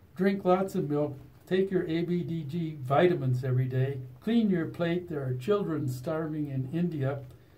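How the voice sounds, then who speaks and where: A man's dark, mellow voice with an American accent, fairly high pitch, ordinary pitch variation and a moderate pace, with audible room echo. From US Midwest. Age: 80s+. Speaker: retired business executive and author. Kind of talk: interview conversation.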